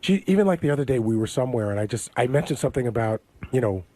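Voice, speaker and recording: Husky man who lost his voice. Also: medium pitch, animated, rapid-fire, mellow. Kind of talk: casual radio chat.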